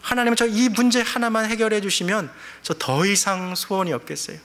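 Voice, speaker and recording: A man's voice: sits high, fairly even intonation, brisk, fairly bright tone, voice pushed up. A man doing a desperate praying believer. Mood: pleading. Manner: pleading, desperate. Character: believer pleading with God in prayer. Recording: reverberant church sanctuary.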